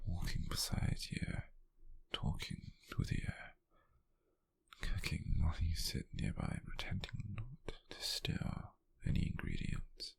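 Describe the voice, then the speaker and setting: A British man playing a gentle, doting, teasing lover in an intimate, breathy, half-whispered ASMR roleplay, close to the microphone. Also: sits low, sing-song, full character voice. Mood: tender, intimate. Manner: slow, tender, softly teasing.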